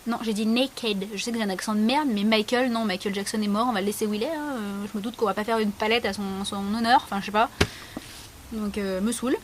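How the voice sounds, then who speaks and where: A young woman beauty vlogger answers a question tag in a casual vlog, speaking bluntly, sarcastically and frankly with plenty of fillers. Her voice is medium-pitched and fast, with slight background noise.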